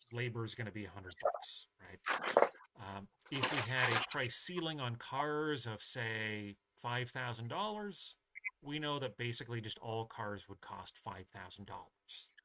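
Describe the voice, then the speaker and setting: Here is a man with a normal speaking voice at a medium pitch. He talks at a moderate pace with lively intonation. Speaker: economics professor. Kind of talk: lecture.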